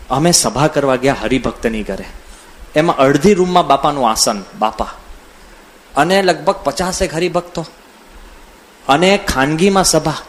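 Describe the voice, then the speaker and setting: Male swami, storytelling sermon, somewhat high-pitched, animated anecdotal delivery. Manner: lively anecdotal, acts out quoted voices. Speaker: swami giving a religious discourse. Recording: audio from a CD recording.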